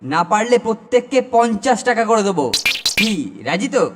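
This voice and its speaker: A man's voice: high-pitched, expressive, a little fast, very noisy. A man voicing a boastful, greedy older schoolboy bully in a children's cartoon, teasing and theatrical. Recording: long reverb, music behind.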